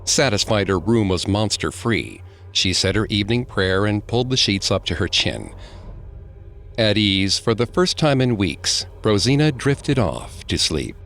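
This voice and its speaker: A man narrates a true-crime podcast in a low, steady, grave voice. His delivery is measured and scripted, and faint music plays beneath him. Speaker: podcast co-host.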